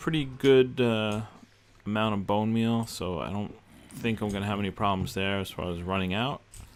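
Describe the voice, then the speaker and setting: Speaking with a New York accent, a man uses a fairly low pitch and ordinary pitch variation. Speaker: gaming video creator. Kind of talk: gameplay tutorial commentary. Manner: casual, halting with many fillers.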